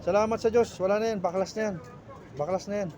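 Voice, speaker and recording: A man's voice: high-pitched, steady tone, fast, a little mellow, lo-fi sound. A man from the Philippines working as a folk healer, giving urgent, commanding orders and scolding during a healing ritual outdoors.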